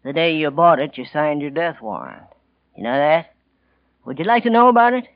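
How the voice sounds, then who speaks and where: A meek clerk turned killer. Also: male voice, fairly high pitch, big pitch swings, fairly quick, very noisy. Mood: menacing. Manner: timid and hesitant, then quietly menacing. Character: meek middle-aged office clerk turned cold killer. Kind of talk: 1940s radio acting. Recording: lo-fi old radio broadcast.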